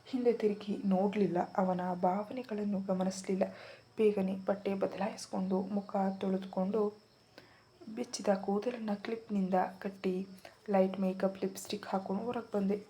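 A woman's voice: medium pitch, fairly even intonation, normal speed, warm tone. A woman narrating a first-person romantic story at an emotional storytelling pace.

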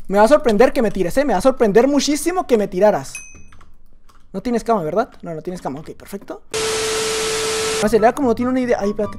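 A man with a Mexican Spanish accent narrates his own gameplay in an excitable, joking way, drifting into playful asides to his viewers. Soft music plays faintly behind him. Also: sits high. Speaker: gaming YouTuber. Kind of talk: live gameplay commentary.

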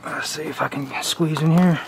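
A man in his thirties narrating a casual exploration vlog as he walks, informal and halting, thinking aloud. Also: a little high, fairly even intonation. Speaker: host exploring abandoned places. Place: outdoors and inside derelict buildings, walking. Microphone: handheld camera at arm's length. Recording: outdoor camera audio with background noise.

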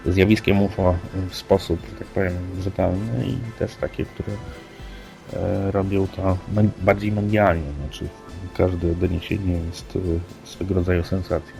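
Male co-host, deep-voiced, conversational and hesitant, over a faint music bed. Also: little pitch movement, unhurried, vocal fry, warm tone. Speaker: podcast co-host. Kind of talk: conversational presentation of news reports. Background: background music.

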